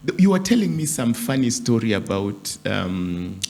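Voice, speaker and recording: Man, talk host, gravelly and lively, teasing banter. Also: fairly low pitch, normal speed. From Kenya. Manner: playful, teasing, laughs often. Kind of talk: casual studio chat.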